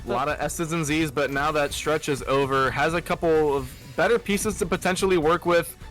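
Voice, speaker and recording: Male esports caster, bright tone, measured analysis, filler-heavy delivery. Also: on the high side, soft background music, low-quality recording. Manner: analytical, steady, frequent "uh" fillers. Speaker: esports commentator. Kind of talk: play-by-play game commentary.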